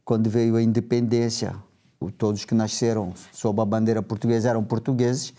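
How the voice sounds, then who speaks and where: A man's voice: on the low side, flat delivery, brisk, mellow. An older man from Angola, a lawyer guest, talking in a joking, ironic way in a studio interview.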